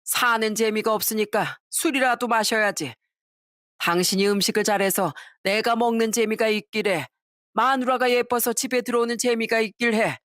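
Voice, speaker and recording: A woman's voice: a little high, steady tone, moderate pace, a bit bright, no room sound, pitched above the performer's own voice, close to an everyday voice. Bullying old father-in-law in a storybook reading, scolding and contemptuous, put on by a woman; dry close recording.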